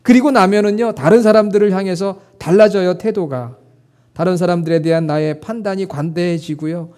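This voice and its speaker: A middle-aged man preaching a sermon as pastor, earnest, lifting into emotional prayer-like quotes and then dropping soft. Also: high voice, steady tone, fairly quick.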